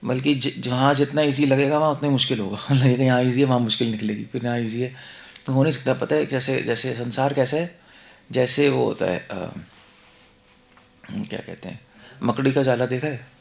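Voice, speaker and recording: Gravelly-voiced man giving a devotional talk. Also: mid-range voice, fairly even intonation, normal speed. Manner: conversational, rhetorical questions, chuckles. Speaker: monk giving a scripture class. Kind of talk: Hindi-English devotional lecture.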